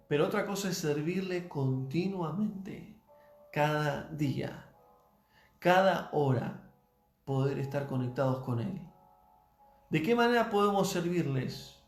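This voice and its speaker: A man preaching a sermon in a measured, emphatic way, repeating key phrases for weight. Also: on the high side, roomy sound.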